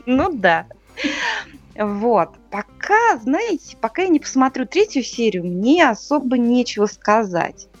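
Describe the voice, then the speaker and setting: A woman on a podcast recaps TV episodes in a loose, conversational way. Her pitch rises and falls a lot as she explains each plot point. The sound is a little dull, with faint music underneath. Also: unhurried. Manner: lively, explains plots step by step. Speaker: podcast co-host. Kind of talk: casual TV review chat.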